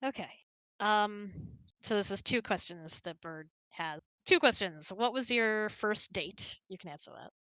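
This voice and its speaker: A woman in her thirties chats casually as a host fielding questions. Her voice is bright and medium in pitch, with a giggly edge. The sound is close and dry. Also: measured pace, no echo, rough recording. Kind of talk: casual chat, reading out and answering questions. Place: indoors, close and dry online voice hangout.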